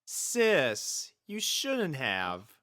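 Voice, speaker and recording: A man playing a caring, patient, steady young man in dialogue from a fan fiction audio drama. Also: a little high, drawn-out words, no echo, clean studio sound, pitched above the performer's own voice, exaggerated voice. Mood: modest.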